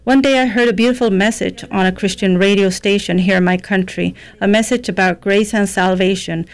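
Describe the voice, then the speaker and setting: A woman with a mid-range voice reads out a listener's letter. Her delivery is warm and heartfelt, and she reads steadily. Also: medium pitch, fairly even intonation, a little fast, clean tone. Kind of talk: reading a letter aloud.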